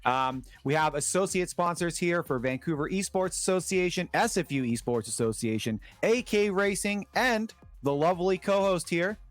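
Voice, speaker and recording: A man casting an esports tournament in a relaxed, chatty way, full of fillers. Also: high voice, normal speed, hardly any pauses, no room sound, soft background music. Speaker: esports caster.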